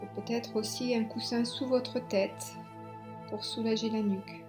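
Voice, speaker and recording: A woman guiding a yoga relaxation meditation as an instructor, giving soothing, unhurried instructions with long pauses. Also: on the high side, steady tone. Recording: soft new-age music behind. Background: new-age relaxation music.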